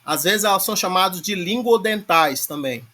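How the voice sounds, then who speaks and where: His voice sits high and sounds pushed and bright, expressive at a normal speed. He's a Greek teacher with a Brazilian Portuguese accent giving an online grammar lecture, explaining step by step and checking in constantly with fillers like "né?".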